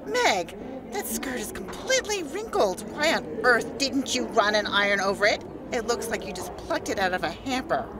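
A woman's voice: a little high, very animated, moderate pace, background noise. An actress playing a critical, exacting middle-aged mother of a teenager in an audio drama. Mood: nagging. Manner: nagging, exacting. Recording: loud busy outdoor ambience.

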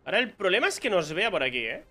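A man's voice: high-pitched, sing-song, fast talker, bright, forceful tone, soft background music. A young man with a Spain Spanish accent giving casual live commentary on his own gameplay, muttering to himself and exclaiming when surprised. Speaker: gaming streamer.

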